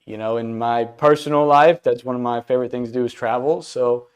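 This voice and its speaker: A young man in his twenties with a smooth, resonant voice, talking about his rental business in a relaxed interview. He speaks easily, with plenty of pauses and fillers. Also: medium pitch. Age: 20s. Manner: laid-back, hesitant with fillers. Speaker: event rental business owner. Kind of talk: casual interview conversation.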